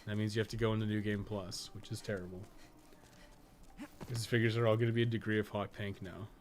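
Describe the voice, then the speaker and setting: A man's voice: on the low side, little pitch movement, fast talker, slight background noise. A man giving casual, rambling live-stream game commentary, swearing and joking with his chat as he plays.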